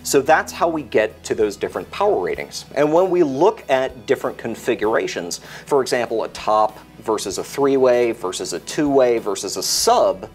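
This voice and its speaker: A middle-aged American man with a medium-pitched voice explains technical details. He is methodical and stresses key points, with music present behind him. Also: big pitch swings, moderate pace, hardly any pauses. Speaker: product expert. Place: indoor product display set.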